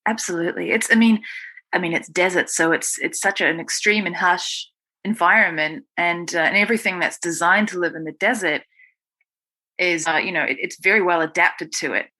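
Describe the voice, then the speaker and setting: A woman's voice: fairly low pitch, normal speed, pushed and bright. A woman with a New Zealand accent, telling her own story conversationally as an interview guest. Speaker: guest, writer.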